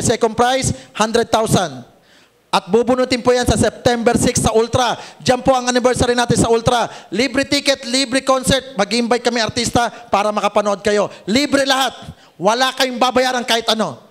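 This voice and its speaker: High-voiced man joking through a sales seminar. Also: fairly bright tone. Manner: joking, teasing the audience, asks "Tama?" often. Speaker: networking seminar presenter. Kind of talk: sales pitch with jokes to a live audience. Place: seminar room with audience.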